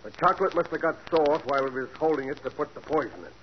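An actor playing a brisk, friendly police sergeant in a 1940s radio drama, matter-of-fact in his reports. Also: a little high, animated, close to an everyday voice. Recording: dull old radio broadcast with faint hiss.

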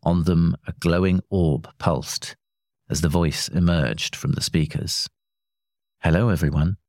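A very low-voiced man reads a story with a dry, wry edge. The sound is close and dead, with no room in it. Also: fairly even intonation, unhurried, darkish tone, dry recording. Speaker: narrator reading a short story. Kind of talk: scripted narration.

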